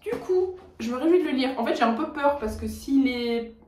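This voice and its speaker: A young woman chatting casually as a guest, lively and quick to laugh. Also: high voice. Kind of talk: casual chat. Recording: echoey room, distant mic, noise.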